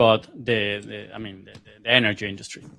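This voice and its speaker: A man speaks with a Venezuelan accent. His pace is fairly quick. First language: Spanish. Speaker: energy consultant. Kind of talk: conference panel talk. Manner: halting.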